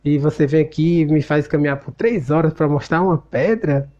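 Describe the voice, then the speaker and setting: A Brazilian man voicing an eager young man who is quick to sulk, speaking with a Brazilian Portuguese accent. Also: on the high side, a little mellow, lo-fi sound, natural voice. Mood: indignant.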